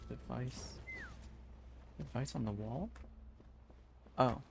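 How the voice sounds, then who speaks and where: Male streamer, mid-pitched, casual and musing, light background game noise. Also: slow, gravelly. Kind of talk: casual livestream chat while playing. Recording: faint game ambience behind.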